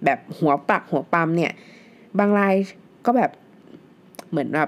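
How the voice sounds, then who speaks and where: A woman is talking. Her pitch rises and falls in a lively way. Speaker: podcast host. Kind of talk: solo educational monologue. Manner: polite, formal.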